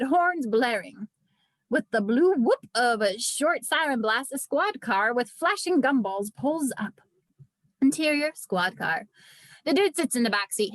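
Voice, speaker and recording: A woman with a fairly high voice and a dry, close sound narrates a screenplay. She reads stage directions as scripted narration for a table read. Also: no room sound, low-quality recording.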